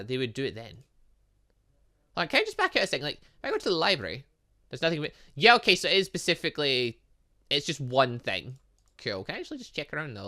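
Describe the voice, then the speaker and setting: Animated, bright-voiced gamer thinking out loud. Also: medium pitch. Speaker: gaming video host. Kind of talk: casual let's play commentary, reading game text aloud.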